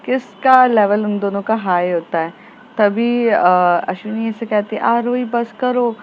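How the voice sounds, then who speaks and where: A woman's voice: mid-range voice, unhurried, dull audio, slight background noise. A woman casually narrating a romance story with chatty fillers.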